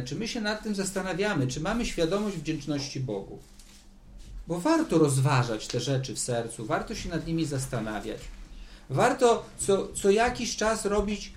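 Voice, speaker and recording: A man's voice: sits high, slight background noise. A man leading a Bible study, teaching in a conversational way, asking the group questions and repeating words as he thinks.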